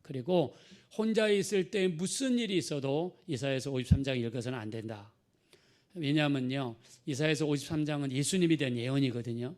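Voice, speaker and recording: A man's voice: medium pitch, a little fast, darkish tone. A middle-aged male pastor preaching a sermon in a conversational storytelling manner, acting out the people in his story.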